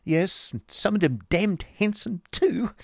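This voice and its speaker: Shrill, gushing, foppish husband. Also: male voice, animated, a little slow, gravelly, darkish tone, dry recording, studio quality, exaggerated voice. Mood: leering. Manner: theatrical, swooning, affected speech. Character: foppish, gushing, excitable husband with affected exclamations.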